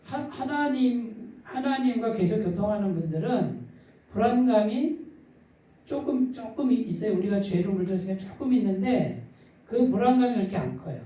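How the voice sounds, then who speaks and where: A male pastor with a husky, somewhat stifled voice preaches conversationally, putting questions to the congregation and answering them himself. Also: high voice, lively intonation, moderate pace, mellow. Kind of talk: conversational sermon. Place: church midweek service, echoing room. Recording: echoey church hall, distant mic.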